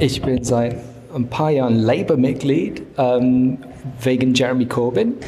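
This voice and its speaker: With an English accent, a man speaks at medium pitch and a very slow pace, amid noticeable background noise and audible room echo. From London, England. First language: English (speaking German). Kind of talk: interview.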